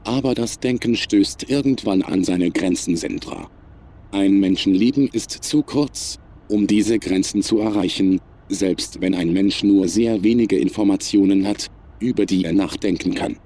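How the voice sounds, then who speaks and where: A man playing a cold, superior, menacing artificial intelligence in a science fiction audio drama, speaking in a measured, formal, emotionless way. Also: sits low, warm tone, slight background noise. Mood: analytical, detached.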